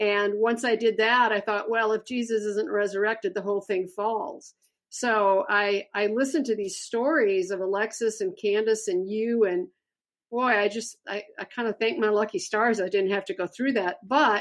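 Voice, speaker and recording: A woman with an American accent speaks at a moderate pace in a normal speaking voice, fairly high in pitch. Her intonation is fairly even, and the background is quiet. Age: 60s. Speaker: author. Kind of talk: interview.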